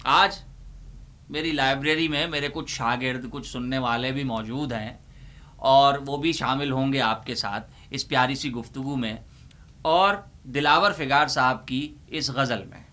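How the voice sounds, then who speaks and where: A man playing a theatrical, easily exasperated old uncle librarian who presents and recites comic poetry in a declamatory way with deliberate pauses. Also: mid-range voice, sharp tone, close to an everyday voice. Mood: pompous, presenting. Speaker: host.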